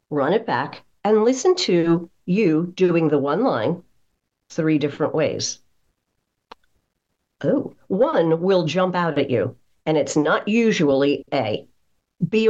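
A woman with a fairly low voice that moves in lively swings as she coaches. She speaks conversationally and emphatically, with an encouraging manner. The recording is slightly dull. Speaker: guest voice coach. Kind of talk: conversational coaching advice in an interview.

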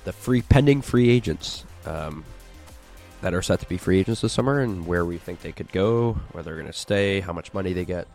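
A man's voice: low voice, moderate pace, creaky, darkish tone, faint music behind. A man hosting a casual sports chat, sounding stuffy as he gets over a sickness. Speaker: podcast host.

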